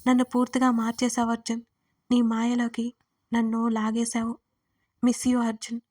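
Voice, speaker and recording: Woman narrator as a dreamy young college girl, soft and tender, slightly high. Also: monotone, normal speed, close to an everyday voice. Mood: tender longing.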